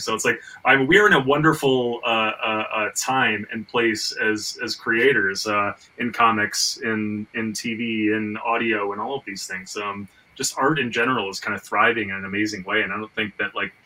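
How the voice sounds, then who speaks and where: Bright-voiced man, rambling, off-mic. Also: on the low side, fairly even intonation, normal speed, hardly any pauses, distant mic, low-quality recording. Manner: rambling, stammering, repeats words as he thinks. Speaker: podcast co-host. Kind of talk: casual conversation about making independent comics and audio.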